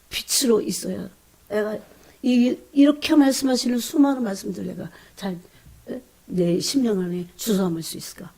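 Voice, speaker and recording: A woman preaching a fervent, emotional sermon, often calling out to her congregation and dropping into hushed whispers between bursts of emphasis. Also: on the high side, creaky.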